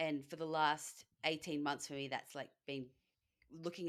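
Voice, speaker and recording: In an Australian accent, a woman talks with a very deep, low pitch. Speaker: podcast host and fitness coach. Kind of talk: casual chat. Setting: remote recording.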